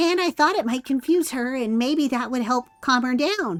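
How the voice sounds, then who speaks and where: Someone speaks in a put-on character voice at a moderate pace. Faint music plays in the background. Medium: game stream. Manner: soft-spoken, earnest, dreamy.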